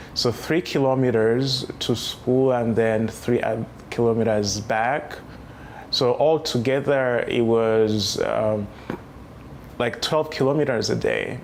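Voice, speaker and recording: A man in his thirties from Rwanda, recounting his life story in a reflective, unhurried way with many fillers. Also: medium pitch, creaky, darkish tone. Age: 30s. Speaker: memoir writer telling his life story. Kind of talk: personal testimony. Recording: music playing underneath.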